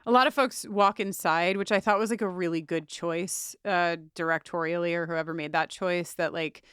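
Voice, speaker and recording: Woman podcast co-host, casual and animated, salty mouth, clear voice, dry close sound. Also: on the low side, moderate pace, dry recording. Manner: animated, swears freely, acts out character lines. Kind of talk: casual recap chat.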